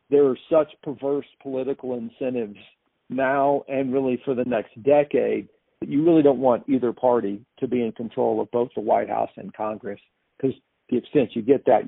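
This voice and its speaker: A man talks through markets off the cuff with emphatic, opinionated phrasing. His voice is fairly low and gravelly, and it comes over a narrow phone-like line. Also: no echo. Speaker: market commentator. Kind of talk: unscripted financial commentary.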